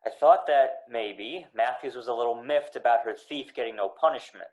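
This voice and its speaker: A man's voice: medium pitch, moderate pace, background noise, lightly acted. A man playing a curt, defensive police superior in an amateur radio drama. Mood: dismissive.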